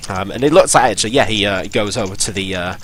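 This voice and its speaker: A man narrating as game master of a live-streamed tabletop game, halting and full of fillers as he describes the scene. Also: fairly low pitch, a little hiss or hum. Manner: halting, full of ums and sort-ofs.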